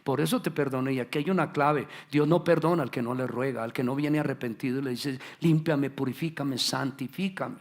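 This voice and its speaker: A middle-aged man preaching a sermon as pastor, animated and acting out the voices he quotes. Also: medium pitch, quick pace, few pauses.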